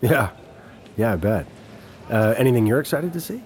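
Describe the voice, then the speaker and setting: A man playing an affable middle-aged father and security chief in a naturalistic audio drama, gently coaxing as he talks. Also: mid-range voice, big pitch swings, normal speed, slight background noise, natural voice. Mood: affable, easygoing.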